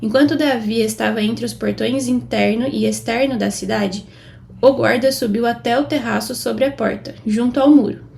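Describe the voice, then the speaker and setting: Brazilian woman reading scripture, slightly gravelly. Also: fairly high pitch, moderate pace, darkish tone, a little hiss or hum. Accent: Brazilian Portuguese. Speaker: Bible reader.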